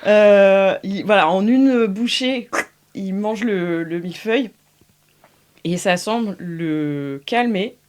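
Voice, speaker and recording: A woman narrating as game master of an improvised tabletop game, laughing often and filling pauses with hesitations. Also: mid-range voice, a little mellow.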